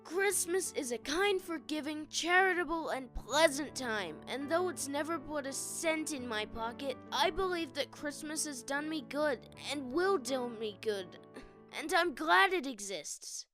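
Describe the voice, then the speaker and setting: A woman's voice: high voice, animated, measured pace, over music. A woman voicing a kindly, cheerful young boy in an audio drama, earnest and pleading with an older brother. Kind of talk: fan audio drama acting.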